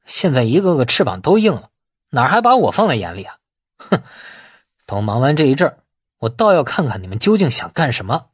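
A man's voice: mid-range voice, big pitch swings, a little fast, husky. A man voicing a blunt, shrewd, grumbling boss in an audiobook novel, talking colloquially. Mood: irritated, sarcastic.

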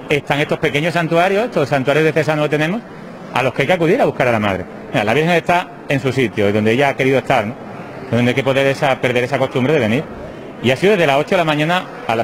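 A man's voice: mid-range voice, slight background noise. A man, a parish priest answering interview questions in a heartfelt, thinking-aloud way, on a handheld mic inside a small chapel. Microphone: handheld reporter mic. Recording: clear chapel ambience behind.

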